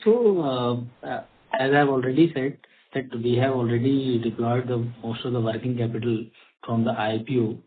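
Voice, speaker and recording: An Indian-accented man, a company executive, explaining in a halting way as he answers questions on an earnings call. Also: medium pitch. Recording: tinny phone line with clicks and noise.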